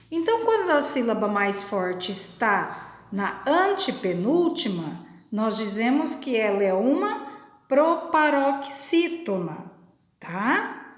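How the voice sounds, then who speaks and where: A woman teacher from Brazil, slowly and patiently explaining a lesson to children step by step. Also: sits high, reverberant. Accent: Brazilian Portuguese.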